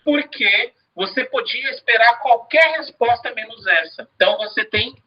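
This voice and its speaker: A man's voice: extremely high pitch, moderate pace, lo-fi sound. A man teaching a casual review lesson, chatty, often checking in with "né?". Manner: chatty, repeats words and asks "né?".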